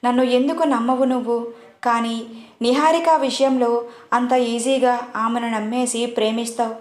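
A woman's voice: fairly high pitch, fairly even intonation, moderate pace, lightly acted. A woman voicing a jealous young woman who pleads and accuses. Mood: pleading. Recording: roomy echo.

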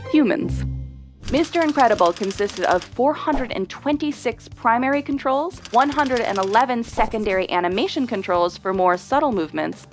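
A woman narrates an explainer. Her scripted delivery is clear and measured. Faint music plays underneath. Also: a little high.

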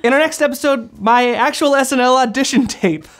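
A man's voice: very high voice, a little slow, a bit bright. An American man in his thirties presenting a scripted comedic explainer in a goofy, playful manner. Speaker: host. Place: indoor green-screen studio.

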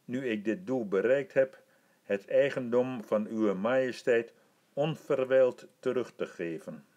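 A man's voice: medium pitch, measured pace, a little mellow, lightly acted. Humble, earnest young courtier, modest delivery; male reader. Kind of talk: audiobook reading.

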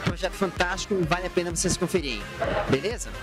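A man's voice: high-pitched, fast, over a noisy crowd. A young man with a Brazilian accent, interviewing in a casual, chatty style on a handheld recorder. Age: young adult. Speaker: interviewer and music producer. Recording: music playing behind the voice.

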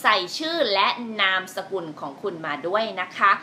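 Woman DJ, lively swinging pitch, bright promo read, faint studio noise. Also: moderate pace. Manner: lively announcer delivery, playful. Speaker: radio DJ co-host.

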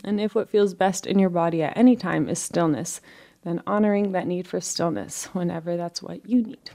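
Soft, unhurried and soothing, a woman guides a relaxation session, pausing often between phrases. Her voice sits on the low side with vocal fry.

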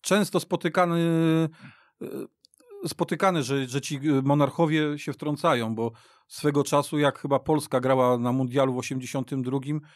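A man's voice: mid-range voice, moderate pace, no room sound. A man on a radio football show, adding points hesitantly with many fillers and restarts, speaking in a studio. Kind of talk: studio podcast discussion.

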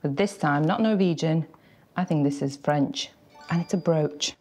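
A woman in her forties, an antiques expert presenting to camera with animated, theatrical storytelling inside a large shop. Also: sits low, moderate pace, soft background music.

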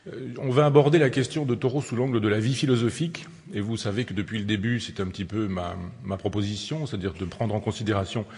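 A man delivers a public lecture in a low, husky voice, stopping often on fillers and restarting his sentences as he thinks aloud. His voice carries the long reverb of a lecture hall. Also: darkish tone. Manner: hesitant, full of "euh" fillers and restarts.

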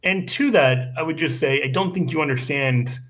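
Animated man arguing a point. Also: a little high. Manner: animated, argumentative, quick asides. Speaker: guest apologist. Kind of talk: casual podcast discussion. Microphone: video call microphone.

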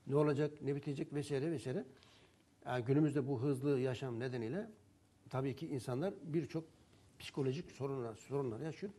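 Dark, husky man telling customer stories. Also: on the high side. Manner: storytelling, acting out dialogue with customers. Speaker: herbal remedy seller. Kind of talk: anecdotal talk about herbal remedies.

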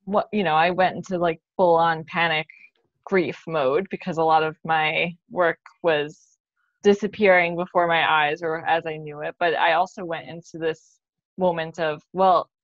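Lower-pitched young woman, muffled video call. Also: steady tone, normal speed, no room sound. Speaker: playwright, guest. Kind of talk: casual conversational explanation. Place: living room at home. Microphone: computer mic on a video call.

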